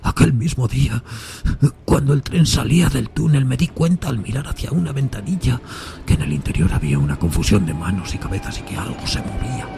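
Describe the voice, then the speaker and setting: An actor playing a haunted, anguished railway signalman who tells his story gravely in an audio drama, with a gravelly, husky voice. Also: mid-range voice, animated, noisy background. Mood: agitated, distressed. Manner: grave, troubled, deliberate storytelling. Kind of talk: dramatised Spanish-language audio fiction.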